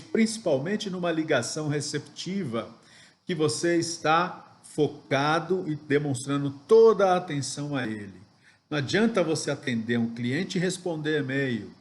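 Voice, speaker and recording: A man teaching a sales training lesson, explaining step by step and checking in with rhetorical questions. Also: medium pitch. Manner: didactic, asks rhetorical questions, frequent "ok?" and "né?".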